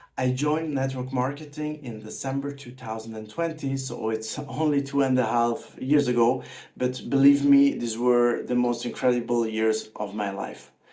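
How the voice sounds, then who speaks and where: Audible room echo surrounds a man speaking at a moderate pace with hardly any pauses, his dark, mellow tone sitting at a medium pitch with ordinary pitch variation. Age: 30s. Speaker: network marketer, former IT entrepreneur. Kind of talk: testimony.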